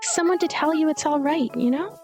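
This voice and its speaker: High-pitched young girl, acted by a woman, energetic, cheerful, eager, playful, visual novel character, music behind. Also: brisk. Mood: bright, friendly.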